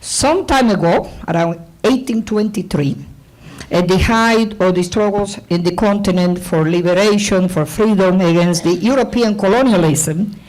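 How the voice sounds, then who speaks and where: Over noticeable background noise and audible room echo, the speaker keeps a moderate pace with ordinary pitch variation. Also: woman. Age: 70s. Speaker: union leader and activist, event moderator. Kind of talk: public speech.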